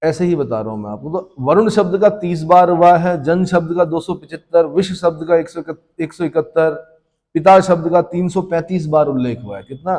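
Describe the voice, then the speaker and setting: A man's voice: on the high side, moderate pace, darkish tone, in a large hall. A man teaching history, who asks his class questions and then answers them himself. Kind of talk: classroom lecture.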